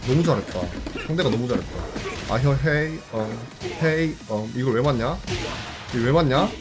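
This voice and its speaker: A man giving lively, self-mocking commentary on his own fighting game match, with sudden yelps and groans. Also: medium pitch, moderate pace, over music. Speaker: game streamer.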